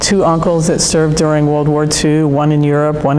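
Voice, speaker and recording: A woman with an American accent speaks at a very deep, low pitch. Noticeable background noise and audible room echo surround her. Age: 60s. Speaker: war veteran. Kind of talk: testimony.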